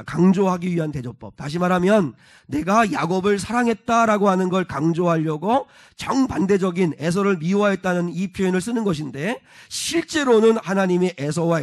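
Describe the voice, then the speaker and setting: A male pastor preaching a Sunday sermon in church, explaining scripture and asking the congregation questions. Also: sits high. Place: church sanctuary.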